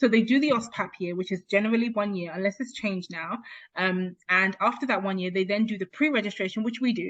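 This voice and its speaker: With a British accent, a woman talks very fast at a medium pitch, her pitch varying in an ordinary way. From England. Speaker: pharmacist. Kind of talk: interview conversation.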